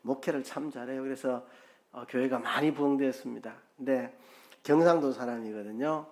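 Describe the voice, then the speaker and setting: Pastor telling a story with acted voices. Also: male voice, medium pitch, steady tone, fairly quick. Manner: storytelling with acted-out quotes, swinging loud and soft. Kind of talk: sermon. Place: church sanctuary.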